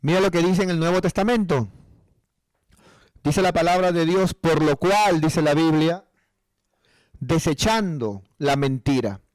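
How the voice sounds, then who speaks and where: A man's voice: on the high side, measured pace, long pauses, darkish tone, no room sound. A man preaching a sermon as pastor, building to emphatic passages and acting out people's prayers.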